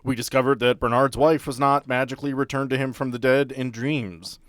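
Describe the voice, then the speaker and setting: A man's voice: medium pitch, fairly even intonation, fairly quick, no room sound. A man acting as podcast host and game master, moving between casual banter and narrating the game.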